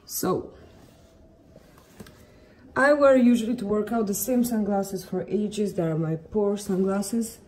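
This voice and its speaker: A woman's voice: medium pitch, slow pace, long pauses, a little mellow, husky. A young woman with a Russian accent chatting candidly and playfully in a casual vlog, filming on a phone held at arm's length while walking outdoors. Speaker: vlogger. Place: home, gym, then outdoors on a city street.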